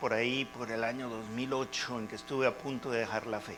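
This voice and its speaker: A man speaks at a medium pitch. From Peru. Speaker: seminar speaker, pastoral worker. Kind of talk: men's seminar talk.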